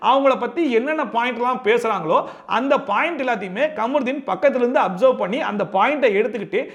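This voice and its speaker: Male show reviewer, very high voice, rapid sarcastic delivery, rhetorical questions. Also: expressive, lo-fi sound. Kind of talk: fast opinionated commentary.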